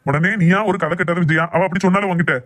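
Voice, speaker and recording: Casting: man as assertive Tirunelveli village dad for cartoon drama, middle-aged, stubborn, very quick, slightly high voice. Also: steady tone, fairly bright tone. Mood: irritated, defensive. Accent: Tirunelveli Tamil. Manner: assertive, dismissive of objections. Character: stubborn middle-aged village father, protective of his family. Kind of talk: amateur cartoon family drama.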